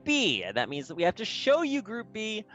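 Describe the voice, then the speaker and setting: A man's voice: high-pitched, wildly swooping pitch, normal speed, fairly bright tone, lo-fi sound, soft background music. Upbeat male esports caster. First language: English, with Spanish as second language. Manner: chatty, upbeat, casual with many fillers. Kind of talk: live game commentary.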